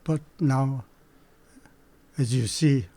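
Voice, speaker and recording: A man in his eighties, a native Korean speaker, recalling his childhood in an interview and pausing often between phrases. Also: mid-range voice, warm tone, no echo. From Manchuria. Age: 80s. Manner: halting, with frequent pauses and fillers. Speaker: interview guest. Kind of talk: unscripted life-story interview.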